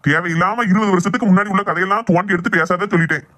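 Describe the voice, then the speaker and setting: Casting: man as assertive Tirunelveli village dad for cartoon drama, middle-aged, stubborn, very quick, slightly high voice. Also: pushed and bright. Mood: irritated, defensive. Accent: Tirunelveli Tamil. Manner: assertive, dismissive of objections. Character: stubborn middle-aged village father, protective of his family. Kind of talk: amateur cartoon family drama.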